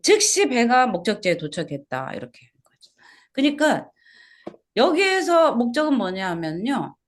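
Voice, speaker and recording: A woman's voice: a little high, sing-song, moderate pace. A woman pastor preaching an expository sermon at a small church service, asking the congregation questions and repeating key words.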